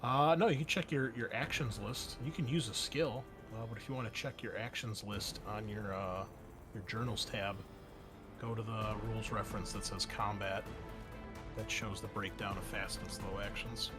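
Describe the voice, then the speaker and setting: A man's voice: lowish voice, fairly even intonation, moderate pace. A man running a tabletop roleplaying game as game master, talking casually, swearing now and then and thinking aloud. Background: background music.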